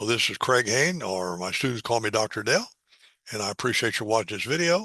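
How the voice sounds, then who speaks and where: Over a quiet background, a man speaks fairly quickly with a bright, sharp tone at a fairly low pitch. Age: 80s+. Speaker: retired math professor and education entrepreneur. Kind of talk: direct-to-camera promotional talk. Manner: energetic; conversational with fillers.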